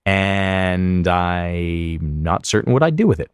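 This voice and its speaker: A man giving scripted software tutorial narration as an instructor, speaking in a precise, explanatory way. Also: deep voice, takes it slowly, smooth, dry recording, clean studio sound.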